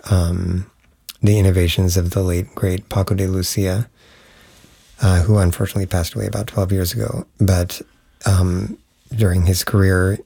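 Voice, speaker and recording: A man's voice: deep voice, creaky, warm tone, slightly rough. A man answering interview questions as a musician, explaining thoughtfully and searching for his words. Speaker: guitarist and guest musician.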